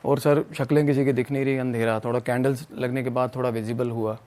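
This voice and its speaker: Animated man telling a story. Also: medium pitch, fast talker. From Punjab, India. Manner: animated, mixes in English phrases. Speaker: podcast guest. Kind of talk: casual storytelling.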